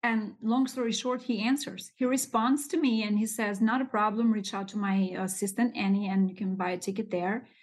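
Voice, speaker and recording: A woman in her forties, a guest on a business podcast. She recounts her journey in a lively, expressive, conversational way. Her voice sits at an ordinary middle pitch. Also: fairly quick, few pauses. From Albania. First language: Albanian. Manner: expressive, animated storyteller. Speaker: guest, real estate capital raiser. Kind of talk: casual interview storytelling.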